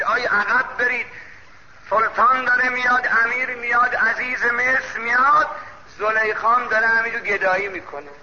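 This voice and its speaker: Male preacher, impassioned sermon storytelling, piercing bright tone, dull lo-fi echoey hall, faint noise. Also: very high voice. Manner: impassioned, chanting calls, drawn-out phrasing.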